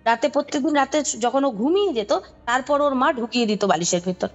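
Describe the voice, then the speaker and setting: A woman with a Kolkata Bengali accent speaks in a fairly high voice, with music playing behind her. She tells a story conversationally, explaining details and often checking that the listener follows. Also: expressive, fast, lo-fi sound. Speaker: podcast guest recounting a ghost story.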